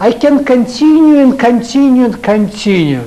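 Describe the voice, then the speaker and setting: Amid noticeable background noise and audible room echo, a man with a Russian accent speaks at a very slow pace in an extremely high voice. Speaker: professor. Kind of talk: lecture. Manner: halting.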